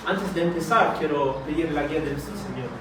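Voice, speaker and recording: A man's voice: on the high side, a little fast. A shy man born in Italy, a Spanish speaker, preaching hesitantly with many fillers and restarts. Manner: soft-spoken, shy. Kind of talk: sermon with prayer. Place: church hall. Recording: distant mic in very echoey hall, faint noise.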